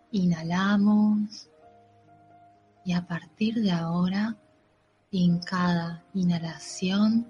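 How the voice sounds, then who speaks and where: A woman narrating a guided meditation in a soothing, unhurried way, with gentle pauses. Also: lowish voice. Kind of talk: slow guided meditation with affirmations. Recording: dull lo-fi audio with soft music. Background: soft background music.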